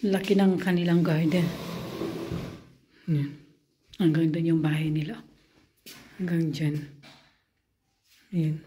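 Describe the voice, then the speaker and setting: A woman's voice: deep voice, fairly even intonation, slow, long pauses, mellow, echoey room, a little hiss or hum. A woman from the Philippines with a Filipino accent, chatting casually to viewers while she works as a nanny, filmed on a handheld camera. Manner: chatty, addresses viewers as friends. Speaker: vlogger and nanny. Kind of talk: casual vlog chat. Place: house and garden, indoors and out. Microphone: handheld compact camera.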